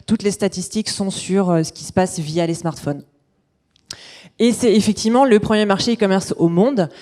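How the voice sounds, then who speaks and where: A woman presents her company as its founder. Her voice is mellow and soft-edged, sitting at a middle pitch as she delivers a business pitch. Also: moderate pace.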